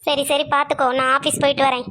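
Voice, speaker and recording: A woman's voice: high-pitched, little pitch movement, quick pace, bright, forceful tone, a little hiss or hum. A woman voicing a young office-working son in a cartoon family story, sulky and pleading. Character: young adult male son, an office worker, defensive and lovestruck.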